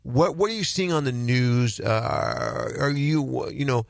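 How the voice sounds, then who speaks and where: A man's voice: mid-range voice, animated, slow, gravelly, no echo, studio quality. A man hosting a Christian talk radio show, speaking earnestly and emphatically, often repeating words for stress. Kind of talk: casual Christian radio chat.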